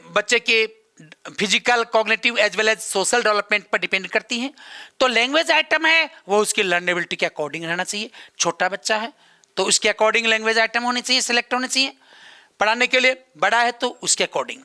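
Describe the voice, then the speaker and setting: A man's voice: sits high, sharp tone, smooth. A man lecturing an exam-prep class, repeating key terms and mixing English words into his explanations. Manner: gives examples and writes on a board while talking. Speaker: teacher.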